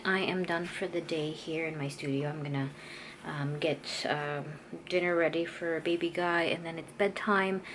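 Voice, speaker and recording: Casual vlogger, woman, thirties, light Filipino accent, lowish voice, rambling, noisy ambience. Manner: rambling, chatty, loses her train of thought. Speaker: vlogger and artist. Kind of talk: casual vlog chat. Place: home studio and walking outdoors.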